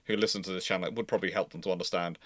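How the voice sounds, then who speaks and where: A man's voice: low-pitched, fairly even intonation, rapid-fire, fairly bright tone, dry recording, clean studio sound. A man hosting a casual live stream, chatting with co-hosts and varying between emphatic delivery and mumbled asides. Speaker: live stream host of a naval history channel.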